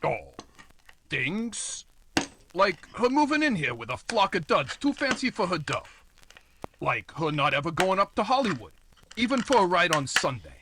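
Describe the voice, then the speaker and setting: A man's voice: high-pitched, very animated, normal speed, noisy background. An actor playing a nosy, slimy apartment house manager who wheedles in tough-guy slang, in old-time radio noir style. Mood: insinuating.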